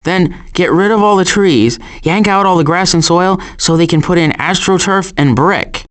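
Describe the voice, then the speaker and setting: An actor voicing a cautious, worrying turtle in an animated video game, with a dry, hesitant and wry delivery. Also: male voice, high voice, moderate pace. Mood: anxious, hesitant. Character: cautious, worrying male cartoon turtle, dryly sarcastic.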